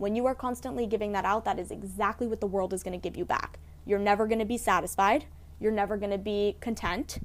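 Vocal fry runs through this speech, delivered at a very fast pace. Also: woman, medium pitch for a woman. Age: 20s. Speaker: health coach. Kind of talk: casual chat. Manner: animated.

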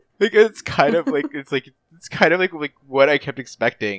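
A man's voice, dry and close with no echo, on a very clean recording against a silent background. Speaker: games writer, guest. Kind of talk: casual chat. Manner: animated, casual, humorous.

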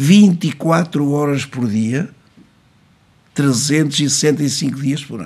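Speaking at a very slow pace, a man uses a fairly high pitch with ordinary variation. Long, frequent pauses run through his speech. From Portugal, Mortágua. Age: 80s+. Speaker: businessman. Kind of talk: interview. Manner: hesitant, with filler sounds.

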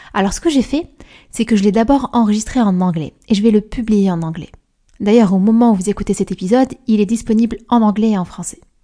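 A woman's fairly high, somewhat breathy voice, warm in tone and dark and mellow, at a fairly quick pace. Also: ordinary pitch variation. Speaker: podcast host and mindfulness coach. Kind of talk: solo monologue podcast. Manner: warm, conversational.

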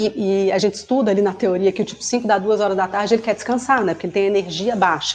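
A woman speaks in a normal speaking voice at medium pitch and a fairly quick pace. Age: 30s. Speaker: Enneagram personality consultant. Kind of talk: interview.

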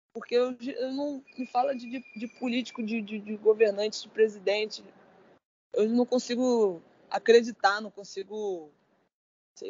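A woman's pitch varies in an ordinary way as she talks at a moderate tempo. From Brazil, Rio de Janeiro (Santa Marta community). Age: 20s. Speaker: basketball player. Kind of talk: podcast interview. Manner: halting, with frequent repetitions.

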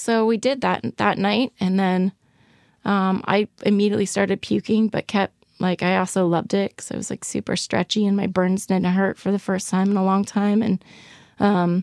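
Monotone and flat, a woman at medium pitch speaks at a moderate pace. The sound is dry and close with no echo, on a very clean recording with a silent background. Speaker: burn survivor. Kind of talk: personal testimony. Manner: casual, filler-heavy speech.

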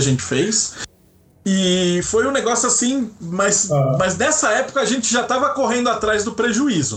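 A man with a high pitch and lively intonation speaks at a fairly slow pace, with audible room echo and noticeable background noise. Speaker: RPG author and mythology encyclopedist. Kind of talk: casual interview.

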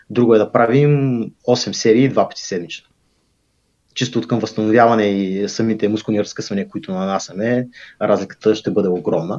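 A man speaks in an ordinary speaking voice, pitched fairly low. His pace is moderate and his pitch variation ordinary. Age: 20s. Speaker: fitness coach. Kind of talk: casual chat.

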